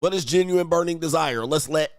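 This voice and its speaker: Here a man with a voice on the high side speaks a little fast, recorded dry at studio quality. Playing a dating coach reacting to clips, he delivers provocative, brash, mocking commentary, cursing and punching words with sudden emphatic swells.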